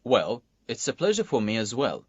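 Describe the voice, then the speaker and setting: In a scripted listening-exam dialogue from a textbook recording, a man plays a courteous magazine interviewer who asks questions in a polite, lively way. His voice is medium-pitched with a breathy edge, moving at a normal speed with no echo. The sound is dull and lo-fi, like a recording played in class.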